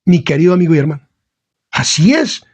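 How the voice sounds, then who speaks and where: A man's voice: fairly high pitch, very animated, brisk, breathy edge, no echo. A man preaching an informal sermon to an online channel, blunt and hard-edged, who keeps addressing his listener as dear friend and brother. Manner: insists he is not angry while speaking forcefully. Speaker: lay preacher.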